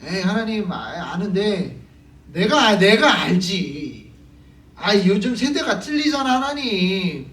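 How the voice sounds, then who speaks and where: A man's voice: high-pitched, sing-song, slow pace, fairly bright tone, full character voice. A man acting out a defiant modern believer who whines back at God and waves off old teaching. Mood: dismissive. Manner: dismissive, whiny talking back. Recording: echoey church hall from far off.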